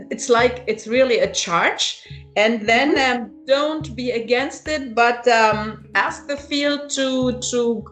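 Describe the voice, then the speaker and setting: A woman with a German accent, a holistic practitioner giving thoughtful, halting examples in a spiritual conversation. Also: on the high side, fairly bright tone. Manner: thoughtful, halting, many restarts.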